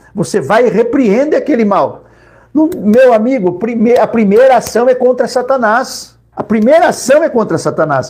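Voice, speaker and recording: With audible room echo, a man speaks at a moderate pace, high in pitch and with lively intonation. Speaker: preacher. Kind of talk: sermon. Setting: live stream. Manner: animated.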